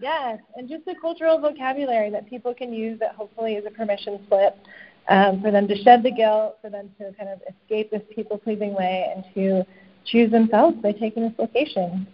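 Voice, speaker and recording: Woman guest, mid pitch, thoughtful and hesitant, dull podcast sound. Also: fairly even intonation, a little fast. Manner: reflective, many ums and likes. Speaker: coach and author, guest. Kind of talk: casual interview chat. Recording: slightly dull lo-fi podcast audio.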